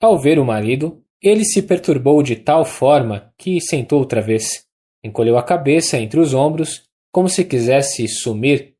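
Measured Brazilian audiobook narrator. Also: medium pitch, expressive, mellow. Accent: Brazilian Portuguese.

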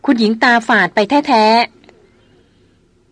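A woman voicing a calm, protective male hunter who gently soothes and reasons. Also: on the high side, normal speed, no room sound, close to an everyday voice. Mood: soothing.

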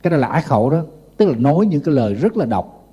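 This middle-aged Buddhist monk, speaking with a Southern Vietnamese accent, talks fast in a husky voice on the high side. His sermon is lively and anecdotal, full of humor.

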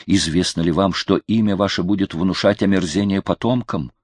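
A man's voice: deep voice, normal speed, husky, no room sound, studio quality. A man voicing a devout, loyal counselor pleading fervently with his friend, in an audiobook reading. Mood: reproachful.

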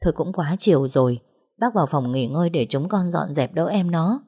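A woman's voice: deep voice, animated, a little fast, dark tone, breathy edge. Tough scolding sister, a woman doing the voice in an audio story. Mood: gentle. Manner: harsh scolding. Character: tough protective older sister, sharp-tongued scold.

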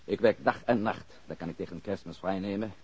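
Deep husky male voice, Swiss-German immigrant mechanic, guarded, clipped sentences, radio crime drama. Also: a little fast, a little mellow. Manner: short, clipped, simple sentences. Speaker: actor.

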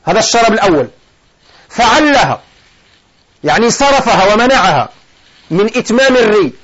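A sheikh teaching Arabic morphology explains a grammar poem on verb forms in class, posing questions to his students and then answering them himself. His high voice is sing-song and a bit bright, at normal speed, with dull audio.

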